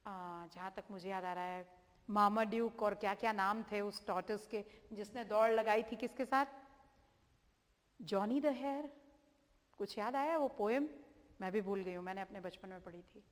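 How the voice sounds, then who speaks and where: A woman's voice: medium pitch, moderate pace, big-room sound. A woman teaching children, patiently repeating and spelling words out, checking in with them often. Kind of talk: children's vocabulary lesson.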